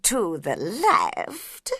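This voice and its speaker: A calm, teasing storybook cat that grins through every riddle, voiced by a woman reader. It drags each word out at a very slow, knowing pace, and its tone is bright and clear. The sound is dry and close. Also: mid-range voice, dry recording, exaggerated voice. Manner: slow, drawn-out, knowing delivery.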